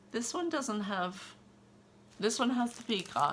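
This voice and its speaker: A woman talks at a moderate pace with vocal fry. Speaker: cross-stitch video creator. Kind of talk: casual chat. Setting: home kitchen.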